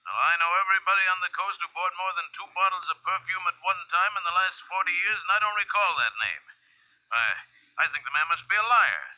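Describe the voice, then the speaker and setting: An actor playing a blustery, distrustful older man in a 1940s radio drama, excitable and prone to stammer when challenged. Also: high voice, fast talker, natural voice. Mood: defensive, blustery. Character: overweight, blustery, distrustful older male client. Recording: muffled old radio recording.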